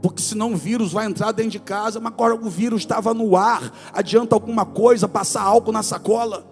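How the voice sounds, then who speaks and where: A man in his forties, a pastor with a Brazilian accent from Rio de Janeiro state, preaching an animated sermon in a church, moving between soft asides and loud exclamations. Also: sits high, fast talker, in a large hall, faint music behind. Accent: Brazilian Portuguese, Rio de Janeiro state. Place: church sanctuary.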